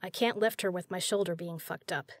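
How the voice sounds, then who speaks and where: A woman's voice: lowish voice, steady tone, brisk, no room sound, clean studio sound, lightly acted. A woman playing a tough, capable spy in an audio drama, flirty yet caring. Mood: urgent. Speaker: voice actor in a fan audio drama. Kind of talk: audio drama acting, intimate.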